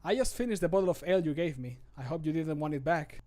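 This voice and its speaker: Quirky male fantasy game character , acted by a man: cheery, sing-song, high-pitched, fond of his ale. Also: animated, quick pace, mellow, close to an everyday voice. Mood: sheepish. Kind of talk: fantasy video game voice lines.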